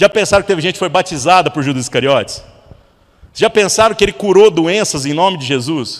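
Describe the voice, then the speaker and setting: With lively intonation, a man talks at a fairly quick pace in a high pitch. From Brazil. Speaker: pastor. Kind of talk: sermon. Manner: casual, conversational. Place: hall. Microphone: handheld.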